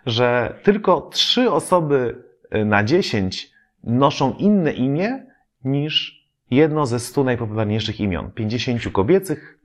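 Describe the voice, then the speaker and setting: A man, a memory trainer explaining methods in a relaxed educational talk, pausing often with filler sounds. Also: medium pitch. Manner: explanatory, many filler "e" sounds, lively emphasis.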